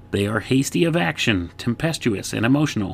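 A man speaks in a relaxed tone with lively intonation. His voice is somewhat breathy. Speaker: podcast host. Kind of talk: literary audiobook reading, steady and even, with pauses for commentary. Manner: measured, even reading pace; relaxed, conversational asides between passages.

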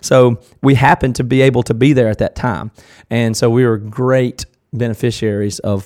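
A man in a slight Southern US accent talks at a medium pitch. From US South, South Carolina. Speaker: podcast host and touring musician. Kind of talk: casual live podcast monologue and call-in. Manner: halting, with many fillers and restarts.

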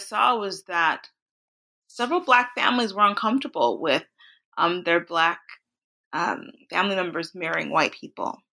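This woman has a Chicago accent and a bright, sharp tone at a medium pitch. She speaks at a fairly slow pace with lively intonation. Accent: Chicago American English. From US Midwest, Chicago. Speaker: sociology professor and author. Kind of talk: interview about her book.

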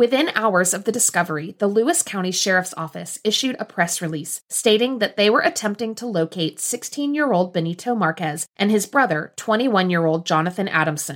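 In a very clean recording with a silent background, a woman with an unremarkable speaking voice talks at a fairly quick pace in a medium pitch, with lively intonation and hardly any pauses. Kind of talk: true-crime narration. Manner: measured, serious storytelling tone; formal, scripted-sounding, even pacing.

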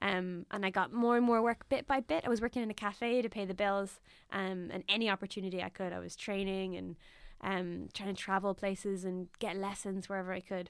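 A woman at a fairly quick pace, her intonation fairly even, on a very clean recording with a silent background. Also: medium pitch for a woman. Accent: Irish. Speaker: circus artist and aerial teacher. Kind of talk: casual interview chat. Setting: studio.

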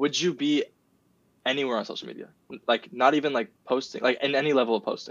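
A man with an American accent and a fairly high pitch talks at a very fast pace with ordinary pitch variation, breaking often for long pauses. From California. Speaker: social media creator. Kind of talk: casual chat.

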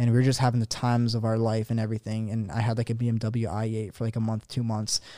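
Speech races along at a very fast clip in a Californian accent. The intonation stays flat and monotone throughout. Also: man, medium pitch for a man, very clean recording, silent background. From US West Coast, San Diego. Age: young. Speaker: e-commerce entrepreneur. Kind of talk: casual chat.

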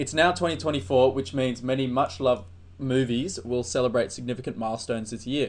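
In an Australian accent, a man talks at a fairly quick pace with a medium pitch and ordinary pitch variation. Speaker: quiz master. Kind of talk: reading aloud.

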